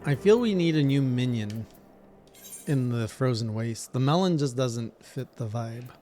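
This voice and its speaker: Male streamer, native French speaker, casual musing commentary, middle pitch. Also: a little slow, faint music behind. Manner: relaxed, musing, self-deprecating, trails off.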